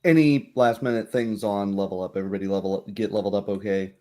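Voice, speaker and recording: A tired man chatting casually as game master and host of a livestreamed tabletop game, giving a recap in a halting way. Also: lowish voice, fairly even intonation, dark tone.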